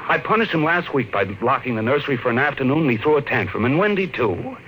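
A man's voice: medium pitch, expressive, quick pace, fairly bright tone, lightly acted. An actor playing a soothing, dismissive husband and father in a 1950s radio drama, with a placating, patronizing manner. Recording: faintly noisy old radio recording.

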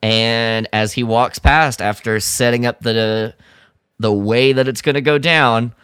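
A man's voice: medium pitch, fairly even intonation, unhurried, a bit bright, clear, resonant tone, no echo. A man co-hosting a podcast, giving a casual, jokey recap of a story and slipping into mock dialogue. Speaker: podcast co-host.

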